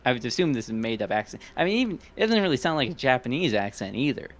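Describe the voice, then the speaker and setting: Male podcast co-host, mid-pitched, inquisitive, a bit halting. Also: big pitch swings. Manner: inquisitive, hesitant, asks questions. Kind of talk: casual podcast chat.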